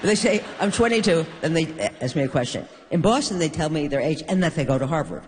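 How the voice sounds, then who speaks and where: An older woman from New York, a guest in an onstage conversation, telling stories with wry, deadpan humor. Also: low-pitched, fast. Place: stage in a hall. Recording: long reverb of a large hall.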